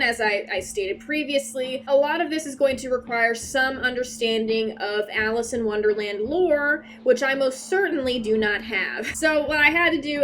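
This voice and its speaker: A woman giving casual video commentary in an irreverent, sweary, self-deprecating and jokey manner. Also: a little high. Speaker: YouTuber host. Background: background music.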